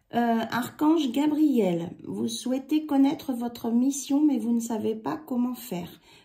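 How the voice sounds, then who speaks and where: A woman speaks at a high pitch with lively intonation. Her tone is dark and mellow. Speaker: tarot card reader. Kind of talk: card reading. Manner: hesitant.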